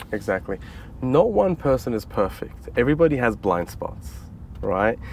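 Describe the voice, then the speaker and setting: A man with an Australian accent speaks at a fairly low pitch, his voice swinging very widely up and down. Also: moderate pace. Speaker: podcast host, business owner. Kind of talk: casual interview chat.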